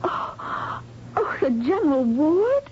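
An actress playing an earnest, compassionate, defiant young clinic worker in a radio drama, with emotional delivery. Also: female voice, high voice, big pitch swings, slow pace, full character voice. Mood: indignant. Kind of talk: radio drama acting and narration. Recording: dull, noisy old radio broadcast.

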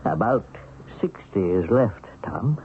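An actor with an American accent playing a wily, folksy seventy-six-year-old heist mastermind in a radio drama, coaxing and confiding. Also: male voice, on the low side, sing-song, slow pace, slight background noise, heavily acted. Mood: sly confiding. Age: older. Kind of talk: 1970s radio drama acting. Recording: muffled phone-like old radio broadcast.

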